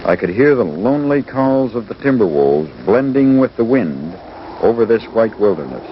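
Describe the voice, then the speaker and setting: A man's voice: on the low side, sing-song, moderate pace, dull audio, noisy background. A man delivering scripted first-person narration as the narrator of a wildlife documentary. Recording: band-limited old 16mm educational film soundtrack. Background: loud background music.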